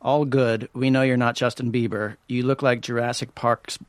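A man's voice: mid-range voice, little pitch movement, moderate pace, dry recording. A man chatting casually and jokingly as an interviewer. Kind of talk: casual comedic chat.

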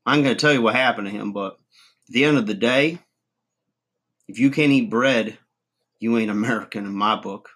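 A man's voice: fairly low pitch, moderate pace, pauses often, fairly bright tone, breathy edge. A man playing a folksy redneck guru. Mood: boastful rambling. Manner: rambling, folksy, chuckling, mangled words. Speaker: comedy channel host. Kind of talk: comic monologue to camera.

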